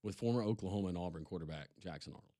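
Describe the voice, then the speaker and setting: A man's voice: deep voice, very fast, dark tone, no echo, clean studio sound. A man co-hosting a sports radio show, trading joking banter and playful teasing. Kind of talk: casual sports talk radio.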